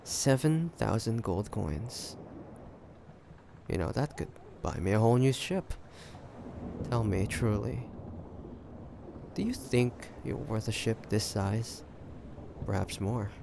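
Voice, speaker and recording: A man playing an ambitious, shrewd pirate captain in an audio roleplay, taunting the listener in a deliberate, conspiratorial way. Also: on the low side, very animated, creaky, background noise, full character voice. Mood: calculating persuasion. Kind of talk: roleplay audio drama monologue addressed to listener.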